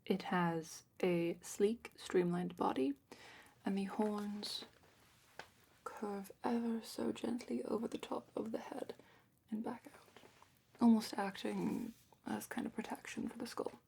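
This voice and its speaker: A woman playing a gentle, knowledgeable dragon keeper in a fantasy ASMR roleplay, speaking in a hushed, breathy, unhurried way that often drops into a whisper. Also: medium pitch, steady tone, slight background noise. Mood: hushed, informative. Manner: hushed, unhurried, careful explaining.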